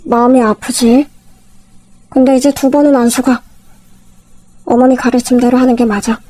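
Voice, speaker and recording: A woman voicing a middle-aged husband in a spoken story, calm and firm in a lecturing tone. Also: high voice, normal speed, no echo. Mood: firm resigned.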